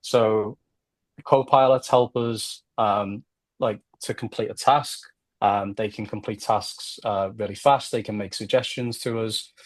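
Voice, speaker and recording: A Liverpool man talks casually on a podcast, explaining things and often checking in with "right?". His voice is on the low side, with a steady tone and measured pace, in a dry recording.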